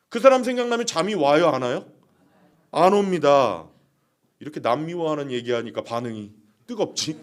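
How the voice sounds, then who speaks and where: A male pastor preaching a sermon, who keeps asking his congregation questions and plays out short dialogues. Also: high voice.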